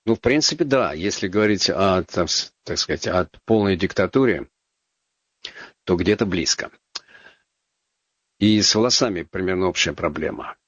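Male talk radio host, deep bass, dry studio sound, ironic, chatty, lots of hedging fillers. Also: expressive, normal speed, long pauses, a bit bright, dry recording, lo-fi sound. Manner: ironic, wry asides with frequent fillers. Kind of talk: casual call-in radio talk.

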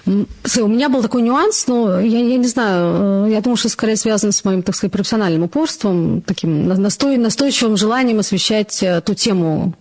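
A woman's voice: medium pitch, fairly quick, few pauses, a little mellow. Woman journalist on a podcast, chatty, lots of ums and restarts. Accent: Russian accent in Hebrew. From Russia. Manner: thoughtful, many fillers and restarts. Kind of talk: casual podcast conversation.

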